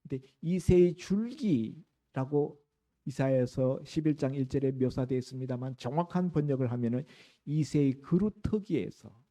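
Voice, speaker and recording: A middle-aged man, a pastor, preaching a sermon in an animated storytelling way, raising his voice for the cries in the text. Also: medium pitch, normal speed.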